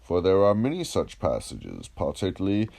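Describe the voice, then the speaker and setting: A man reading the part of a patient, ironic, probing philosopher in a dramatised dialogue, in a measured, declamatory, questioning manner. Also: low-pitched, wildly swooping pitch, gravelly, darkish tone, heavily acted.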